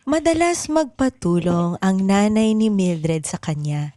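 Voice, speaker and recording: A woman with a mid-pitched voice acts as host and storyteller for an improvised radio drama. The sound is dry and close, as on a studio microphone. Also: animated, a little slow, dark tone, no echo. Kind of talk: improv show hosting and narration.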